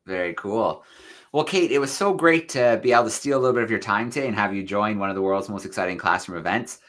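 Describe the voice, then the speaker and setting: Male event host, bright upbeat delivery, chatty intros. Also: fairly low pitch, fast talker. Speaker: host of live classroom events. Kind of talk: live video call interview.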